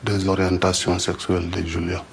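A cold curt man, very deep, gravelly, monotone, noisy film soundtrack. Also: normal speed. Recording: film soundtrack with noise behind.

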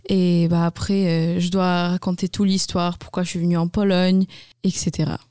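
A woman's voice: on the low side, little pitch movement, moderate pace, warm tone, clean tone, no room sound, studio quality. A teenage girl from Poland with a Polish accent, talking as a student guest in a chatty, emphatic way. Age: teens.

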